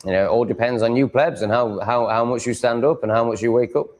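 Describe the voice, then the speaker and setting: A man's voice: mid-range voice, steady tone, fast talker, a little mellow. A man with a Yorkshire accent chatting casually as a livestream host, rambling in a blunt, crude, sweary way. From Yorkshire, England.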